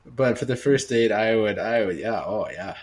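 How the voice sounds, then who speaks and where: A man's voice: lowish voice, normal speed, a little mellow. A man co-hosting a podcast, riffing playfully in casual, informal banter. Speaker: podcast co-host.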